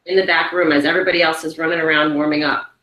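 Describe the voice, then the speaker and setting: Bright-voiced woman in an echoey room. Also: low voice, level tone, racing. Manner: candid, laughs easily, teasing. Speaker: guest. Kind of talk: casual interview chat.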